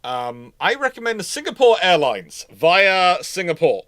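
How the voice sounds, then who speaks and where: A man's voice: high-pitched, very animated, unhurried, fairly bright tone, no room sound. A man hosting a live stream, rambling casually as he answers viewers' questions. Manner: rambling, tangent-prone. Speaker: host of a naval history live stream.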